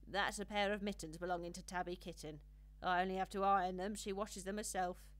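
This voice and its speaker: A woman's voice: medium pitch, fairly even intonation, brisk, lightly acted. Woman playing a fussy little hedgehog washerwoman. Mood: fussy, busy. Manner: deferential, bobbing, busy country-servant talk. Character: small stout female hedgehog washerwoman, humble, fussy, industrious.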